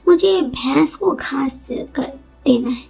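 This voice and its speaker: A woman's voice: sits high, takes it slowly, creaky, darkish tone, full character voice. A woman voicing a playful young village sister-in-law who teases in a rustic dialect. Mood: teasing.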